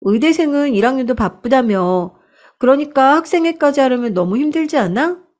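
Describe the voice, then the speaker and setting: A woman's voice: sits high, animated, moderate pace, a little mellow, voice pushed up. A woman voicing a cheeky, self-assured young woman student who talks back confidently. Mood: friendly. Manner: pert, confident talking back.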